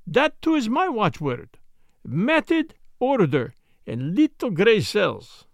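A man's voice: high voice, huge pitch swings, vocal fry, dry recording, studio quality, voice pushed up, exaggerated voice. A man voicing a polite, self-important Belgian detective with a French-speaking Belgian accent and mannered, precise phrasing, in a storybook reading. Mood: polite, pleased. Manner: mannered, deliberate, foreign phrasing.

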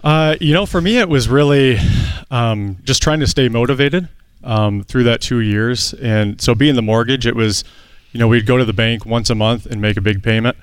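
A man's voice: mid-range voice, normal speed, few pauses, clear, resonant tone, dry recording. A man in his thirties, a guest on a radio show, telling his debt-payoff story in an earnest, plain-spoken way. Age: 30s.

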